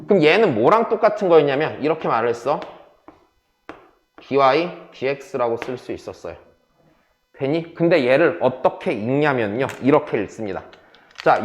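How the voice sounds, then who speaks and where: A man's voice: fairly high pitch, reverberant. A man teaching a math class, switching between casual and polite speech and often checking whether students follow. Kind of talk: classroom lecture.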